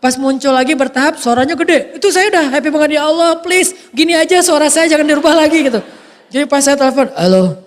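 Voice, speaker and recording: A man giving a humorous sermon, acting out little scenes with a soft voice that people often take for a woman's. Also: extremely high pitch, steady tone, fast, in a large hall. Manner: playful, acts out little scenes. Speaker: preacher.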